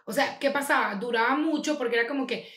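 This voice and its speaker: A woman's voice: on the high side, fast, echoey room. A young adult woman with a Venezuelan accent, co-hosting a podcast and telling stories in a casual chat, packed with slang. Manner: animated storytelling, heavy slang. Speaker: podcast co-host.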